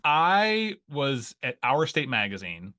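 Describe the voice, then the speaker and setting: A man's voice: medium pitch, big pitch swings, slow, sharp tone. A man in his forties from Northeast Ohio with an Ohio accent, talking as a guest in a casual interview and rambling with many fillers and restarts. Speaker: guest, newsletter writer.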